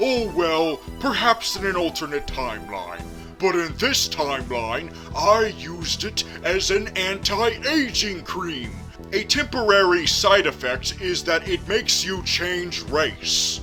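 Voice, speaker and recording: A man's put-on character voice, high in pitch and fairly slow, with clear music in the background. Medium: solo performance. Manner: measured, formal.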